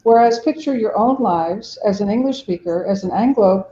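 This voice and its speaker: A woman's voice: medium pitch, normal speed, warm tone. A woman raised in Mexico, a ministry director and podcast guest, explaining her work in an earnest way and acting out what other people say. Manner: earnest, explanatory, acts out quotes. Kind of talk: podcast interview. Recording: dull, roomy remote audio.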